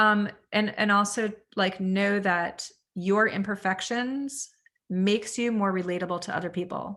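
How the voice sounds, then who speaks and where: A woman's bright, sharp tone with a Canadian accent, at a fairly slow pace. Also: medium pitch for a woman. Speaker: real estate sales trainer. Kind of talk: training workshop. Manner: animated, casual.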